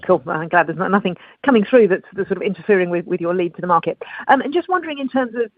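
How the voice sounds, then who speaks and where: Quick-talking woman on a phone line. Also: on the low side, expressive, dry recording. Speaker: financial analyst. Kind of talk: conversational questioning. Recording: tinny, narrow phone line.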